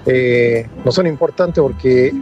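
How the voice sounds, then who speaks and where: A man's voice: medium pitch, slow, a little mellow, muffled recording, soft background music. A man calling in, wry and rueful. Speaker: caller.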